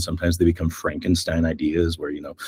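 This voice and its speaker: A man's very deep, low voice with a North American accent, somewhat breathy, at a fairly quick pace, on a very clean recording with a silent background. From Canada. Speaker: advertising agency executive. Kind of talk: interview talk. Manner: casual, with frequent fillers.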